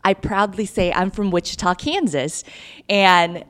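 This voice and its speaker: This mayoral candidate, a woman in her thirties from Guatemala whose first language is Spanish and who grew up in Kansas, is being interviewed on a podcast. Her voice is medium-pitched with a fairly bright tone, and she speaks at a measured pace while recounting her story earnestly and upbeat.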